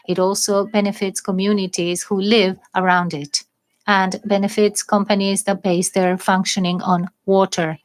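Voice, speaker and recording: Female conference interpreter, mid-range voice, measured and slightly halting delivery of a formal address. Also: mid-range voice. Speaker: live interpreter. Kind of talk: spoken interpretation of a formal speech.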